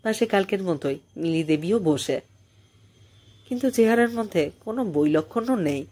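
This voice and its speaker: A woman narrating a short story as an audiobook, in a measured and expressive storytelling manner. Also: on the low side, husky.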